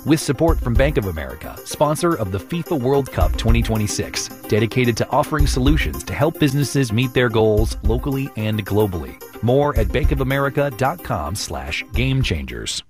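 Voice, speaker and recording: A male announcer reads sponsor credits in a smooth, even voice. Clear music plays underneath. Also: mid-range voice, normal speed, few pauses. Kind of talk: scripted sponsor read.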